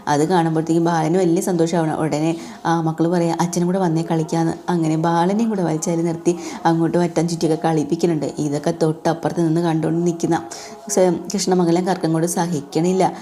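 A woman's voice: sits low, level tone, a little fast, dark tone. Chatty woman retelling a serial story. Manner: chatty, addresses listener with tag words. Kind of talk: casual narration retelling a TV serial.

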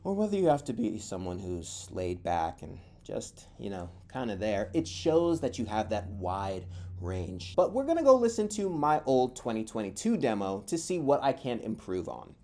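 A man's voice: on the low side, huge pitch swings, moderate pace, mellow. A young man giving casual, emphatic commentary as he reviews audio demos, recorded in a room at home. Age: young adult. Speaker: voice actor giving advice.

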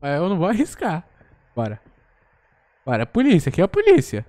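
A man's voice: high-pitched, wildly swooping pitch, fairly quick, dark tone, no echo, clean studio sound. A man playing a horror game with a friend, urgently repeating orders and guiding his partner. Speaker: gamer host. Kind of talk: frantic horror game co-op chat.

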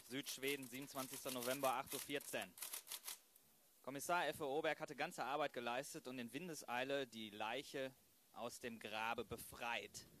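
A man narrating a crime radio play in a solemn, clinical, deliberate way. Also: mid-range voice, noisy background, lightly acted. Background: loud music.

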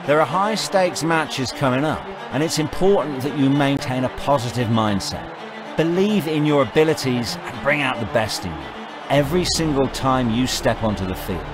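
An actor playing a determined, encouraging cricket team coach in a video game, speaking in emphatic, rehearsed lines. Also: male voice, medium pitch, animated, normal speed, natural voice. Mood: rousing. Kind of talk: scripted motivational speech and press answers. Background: music.

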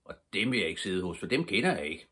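Pippi, bold cheeky little girl, squeaky and full of fun, as a husky old man puts her on. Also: very animated, pushed and bright, heavily acted. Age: older. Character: cheeky fearless little girl, boastful and playful.

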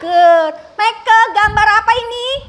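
A woman teaching young children with special needs in a radio lesson, speaking slowly with exaggerated enunciation and frequent praise. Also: very high-pitched, a bit bright.

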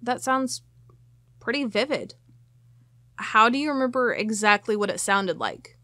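A woman playing a determined, inquisitive FBI agent in an audio drama, speaking in a measured, probing, earnest way. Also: a little high, expressive, sharp tone, no room sound, clean studio sound. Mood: probing, concerned.

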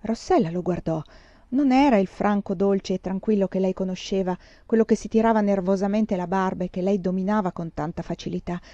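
Woman narrator, steady literary reading, dry close sound, dull lo-fi audio. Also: medium pitch, a little fast, no room sound.

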